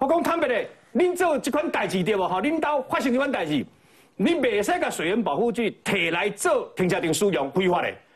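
The man's pitch swings very widely as he speaks. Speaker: veteran journalist, political commentator. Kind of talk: political talk show panel discussion. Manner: animated.

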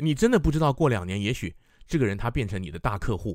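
Very fast, lively intonation from a man at a medium pitch, in a very clean recording with a silent background. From Taiwan. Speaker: podcast host, journalist. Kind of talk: casual commentary monologue.

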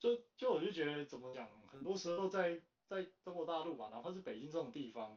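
Over music in the background, a man talks at a fairly quick pace in a high voice with very wide pitch swings. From Taiwan. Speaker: podcast co-host. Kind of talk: casual chat.

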